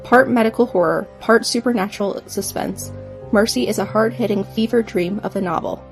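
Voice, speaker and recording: A woman narrating a book trailer in a measured, promotional way. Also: medium pitch. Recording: faint music behind.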